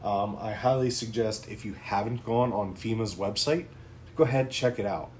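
A man's voice: fairly low pitch, moderate pace, a little mellow, a little hiss or hum. A man in his thirties from Pennsylvania hosting a prepping channel, talking informally to camera from a small home office with frequent ums. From Pennsylvania, United States. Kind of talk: casual talking-head vlog.

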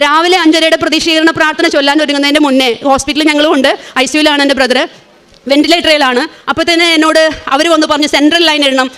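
Fervent, fast-talking woman giving testimony. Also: high voice, steady tone, a bit bright. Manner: fervent, rapid and emotional, with frequent restarts. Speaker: testimony giver. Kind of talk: church testimony.

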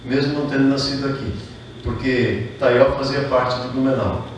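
A man's voice: medium pitch, moderate pace, far from the mic, noisy background. Middle-aged man speaking in an echoey hall. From southern Brazil. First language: German. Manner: earnest, greets dignitaries one by one, with fillers. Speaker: mayor. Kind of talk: formal ceremony speech. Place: large reverberant hall, indoors. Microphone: podium microphone heard from a distance.

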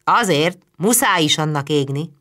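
A woman's voice: low-pitched, animated, a bit bright. A woman reading the lines of a friendly, teasing male chimney sweep in his thirties, widowed. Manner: friendly, joking.

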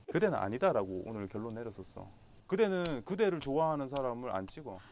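Man in his thirties, very animated intonation. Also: medium pitch, moderate pace, a little hiss or hum. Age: late 30s. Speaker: dating show contestant. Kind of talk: casual chat and confessional remarks to camera.

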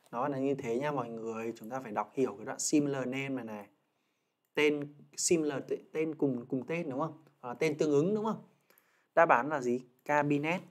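A man teaching an IELTS reading lesson on a casual livestream, chatty and coaxing, checking in with viewers again and again. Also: medium pitch.

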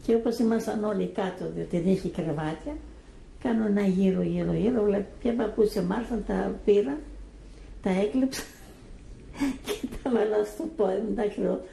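A woman's voice: medium pitch, brisk, gravelly, warm tone, slight background noise. An older woman giving recorded testimony as a survivor, telling her story in a plain, matter-of-fact way. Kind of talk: recorded oral history. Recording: echoey archival interview recording.

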